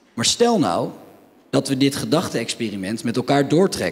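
At a moderate pace, a man delivers his words. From Netherlands. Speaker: political party founder. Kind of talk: speech. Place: hall.

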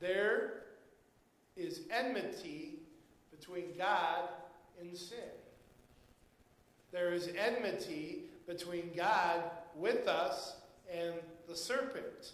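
In a room with audible echo, a man speaks very slowly with long, frequent pauses. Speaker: preacher. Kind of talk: sermon. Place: church.

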